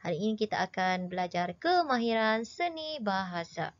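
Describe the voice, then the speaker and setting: A woman teaching a primary school class with a Malaysian Malay accent, slow, patient and encouraging, reciting poems with dramatic intonation. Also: mid-range voice, very animated, dry recording. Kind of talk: online lesson. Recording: dry, dull lo-fi audio.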